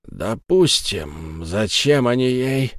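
A man doing a slow, menacing vengeful ghost. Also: mid-range voice, sing-song, no room sound, clean studio sound. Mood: interrogating. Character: vengeful, cold male ghost.

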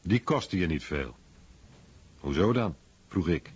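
Very husky veteran airman. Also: low voice, lively intonation, a little slow, exaggerated voice. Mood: wry recollection. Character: male veteran airman recalling his old comrade. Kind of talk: radio play voice-over translation. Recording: dull radio recording.

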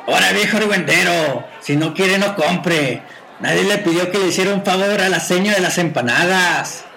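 Radio play role: brash, cheeky young Mexican troublemaker voiced by a man, curt slangy delivery, creaky, forceful edge. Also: high voice, normal speed, a faint crowd, exaggerated voice, low-quality recording. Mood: sneering. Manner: mocking, curt, colloquial. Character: brash, crooked, mouthy younger street guy, rude and cheeky.

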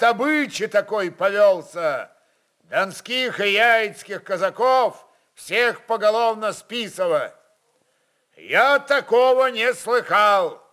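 A man's voice: high voice, bright, forceful tone, pitched above the performer's own voice, full character voice. A man voicing a defiant, fierce Cossack chieftain in a dramatized reading, with blunt, challenging, folksy speech. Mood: loud defiance.

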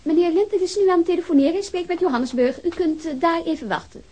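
A woman acts out a prim office secretary in a radio drama. Her voice is very high and she rattles off her words quickly and briskly. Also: mellow. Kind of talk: Dutch radio play acting.

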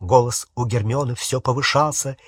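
A man narrating an audiobook in an unhurried, expressive reading. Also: medium pitch, no echo, studio quality. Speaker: audiobook reader.

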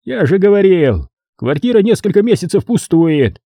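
Guy doing a shrill panicky caretaker, whiny and squeaky, husky edge, dead dry recording. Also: big pitch swings, normal speed, warm tone, no echo, full character voice. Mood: gloating. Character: cowardly greasy male building caretaker, squealing. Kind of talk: audiobook character voice.

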